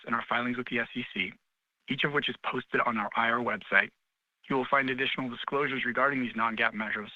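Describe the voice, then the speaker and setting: A man reads a scripted corporate disclaimer at a quick pace in a mid-pitched voice. He sounds like an investor relations officer on a call. The recording is dry and a bit dull. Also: dry recording. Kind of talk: scripted legal disclaimer reading.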